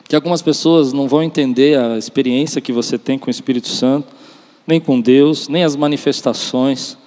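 High-voiced man preaching in a reverberant hall. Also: darkish tone. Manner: emphatic, with repetition and acted-out dialogue. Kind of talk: charismatic church sermon. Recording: long reverb of a large hall.

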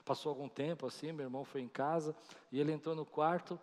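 A male pastor delivers a lively sermon, moving between stories and lessons and acting out the voices of the people in them. His voice sits a little high for a man. It rings out through the long reverb of a large hall. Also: fast. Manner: animated storytelling, acting out quoted voices.

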